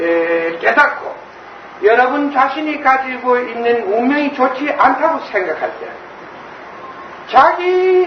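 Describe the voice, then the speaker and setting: With a strong Gyeongsang accent, the speech goes at a very slow pace over noticeable background noise. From Gyeongsang region, born in Hadong. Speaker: spiritual teacher. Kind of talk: dharma talk to audience. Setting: hall with live audience. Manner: repetitive, emphatic.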